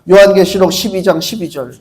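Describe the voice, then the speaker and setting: High-voiced Korean pastor preaching emphatically. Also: male voice, darkish tone. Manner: emphatic preaching, acts out quotes of demons and Jesus. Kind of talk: sermon.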